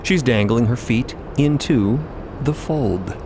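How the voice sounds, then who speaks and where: A man reading scripted story narration, with clear ambient noise running behind his voice. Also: medium pitch, expressive, slow pace.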